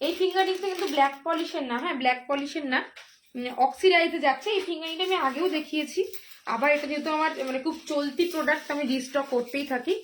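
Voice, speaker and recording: Hoarse, high-voiced woman; live jewellery seller; chatty, repetitive pitch with lots of fillers. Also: slight background noise. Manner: repetitive, chatty, drawn-out phrasing with many fillers.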